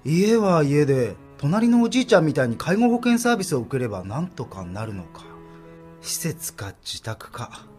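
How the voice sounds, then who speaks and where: A man acting as a caring middle-aged son in a radio drama, earnest and gentle, his voice dropping low when he worries. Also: very animated, moderate pace, faint music behind.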